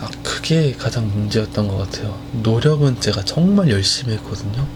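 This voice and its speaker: With noticeable background noise behind him, a man speaks at a moderate pace in a relaxed tone, his fairly low pitch showing ordinary variation. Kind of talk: ASMR casual chat talking about daily life. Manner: soft, relaxed, chatty.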